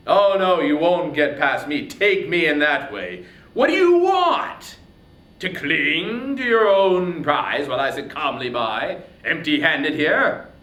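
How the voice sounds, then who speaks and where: A man voicing a proud, wrathful, grasping warrior king in a dramatic reading of epic poetry, declaiming haughtily and swinging between hushed and thundering. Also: a little high, roomy sound, exaggerated voice. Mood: defiant anger.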